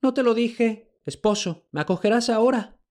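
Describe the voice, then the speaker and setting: A man's voice: very high-pitched, normal speed, darkish tone, voice pushed up. A man voicing a queen in hiding who speaks with urgency and pleads with her husband. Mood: pleading.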